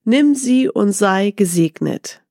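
A woman's voice: medium pitch, animated, takes it slowly, gravelly, warm tone, no room sound, studio quality. A woman voicing a brusque male street trader in a storybook, calling out his wares. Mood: hawking. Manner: hawking, calling out.

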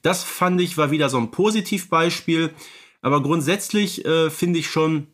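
A man's voice: on the high side, moderate pace, a bit bright. Man, analytical podcast co-host. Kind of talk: conversational podcast discussion.

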